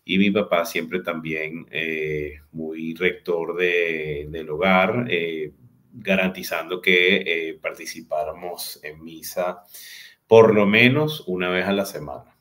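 A man in his forties with a Venezuelan accent, telling his life story as a guest on a video call, unhurried and full of hesitant fillers. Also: deep voice, fairly bright tone. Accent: Venezuelan Spanish. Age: 40s. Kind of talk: personal storytelling in an interview. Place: home room with a large window. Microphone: video call webcam.

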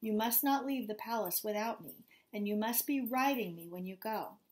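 A woman reading aloud as a wise, magical white mare who gives calm, solemn commands. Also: medium pitch, normal speed, close to an everyday voice.

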